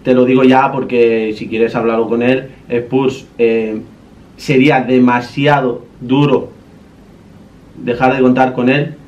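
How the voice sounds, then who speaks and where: A man in his twenties with an accent from Spain, talking casually in a halting, explanatory, businesslike way. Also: medium pitch, flat delivery, a little mellow. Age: 20s. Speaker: YouTuber making a prank call. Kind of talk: casual, hesitant conversation. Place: indoor gaming room at a desk. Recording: dull, distant room sound with noise.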